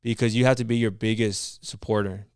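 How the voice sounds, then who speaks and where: A man's voice: on the low side, fairly even intonation, a little fast, darkish tone, smooth, no room sound, studio quality. A young man with a Latino American English accent, a nurse turned entrepreneur, talking in a casual podcast chat in an earnest, motivational way. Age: young adult. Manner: earnest, motivational, with slang and restarts.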